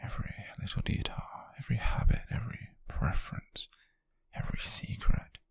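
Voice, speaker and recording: A British man playing a possessive, softly menacing rich captor in an intimate ASMR roleplay, murmuring in a breathy, husky voice with slow, coaxing deliberation. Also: no room sound, close to an everyday voice. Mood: possessive, tender menace. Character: possessive, softly menacing wealthy male captor, obsessive and doting. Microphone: close microphone, dry.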